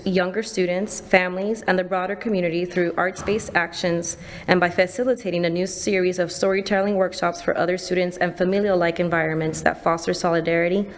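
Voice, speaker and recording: Woman reading a formal program summary. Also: lowish voice. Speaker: district staff presenter.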